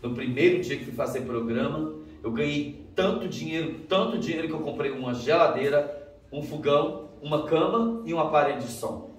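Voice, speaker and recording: A man's voice: a little high, normal speed. A man with a Brazilian Portuguese accent giving a dramatic testimony sermon as a preacher. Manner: dramatic storytelling, acting out dialogue in raised voices. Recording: roomy, distant mic.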